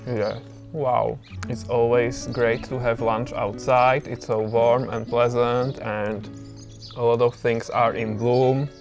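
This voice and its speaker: A man's voice: mid-range voice, flat delivery, slow pace, music in the background. A man hosting a home vlog, chatting easygoing about cooking and his garden outdoors, laughing often. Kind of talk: relaxed home vlog chat.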